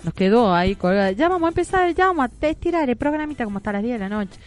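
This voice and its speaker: A woman's voice: on the high side, big pitch swings. Sarcastic woman co-host. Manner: sarcastic, quick ironic interjections. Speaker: radio co-host. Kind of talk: casual banter on radio.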